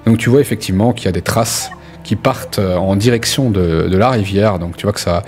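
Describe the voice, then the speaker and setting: Male game master, fairly low voice, halting improvised narration straight to the players, light music underneath. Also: darkish tone. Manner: hesitant, descriptive, addressing players directly.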